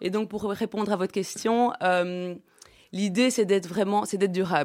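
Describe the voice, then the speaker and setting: A woman uses an ordinary speaking voice at medium pitch with fairly even intonation. She keeps a moderate pace on a very clean recording with a silent background. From Flemish Brabant, Belgium. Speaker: startup founder, anthropologist. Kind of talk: radio interview.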